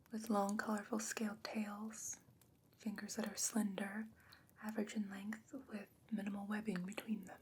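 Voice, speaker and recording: A woman playing a gentle, patient fantasy scholar who defends merfolk, speaking in a hushed, measured, explanatory way in a whispered ASMR roleplay. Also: medium pitch, breathy edge.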